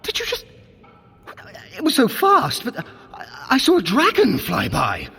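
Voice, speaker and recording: A sly, theatrical trickster god in an audio drama, heard in a reverberant hall. The delivery swings dramatically up and down, wordy and pompous, full of teasing mock innocence. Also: male voice, extremely high pitch, huge pitch swings, unhurried, gravelly, pushed and bright, husky, full character voice. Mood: feigned alarm. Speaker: guide of a training adventure.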